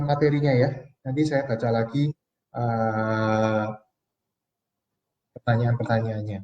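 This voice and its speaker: A man in his forties gives a live online money seminar with a slightly high voice, talking to viewers as friends and reading out their comments. His voice sounds distant and dull, caught in a roomy space. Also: a little mellow. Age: 40s. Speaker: financial seminar speaker.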